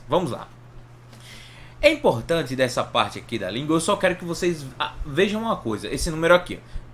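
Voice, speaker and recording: A man's voice: fairly high pitch, a bit bright. A Brazilian man giving an informal lesson in Portuguese with a Brazilian accent, explaining didactically, asking and answering his own questions and often checking that listeners follow. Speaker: health educator, online presenter. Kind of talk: informal anatomy lesson to camera.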